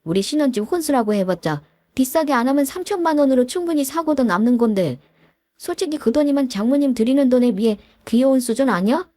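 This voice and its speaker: A woman's voice: high voice, animated, quick pace, mellow, dry recording, pitched above the performer's own voice. A woman doing a pushy young boyfriend. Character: pushy young adult boyfriend, siding with his mother. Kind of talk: dramatized story reading.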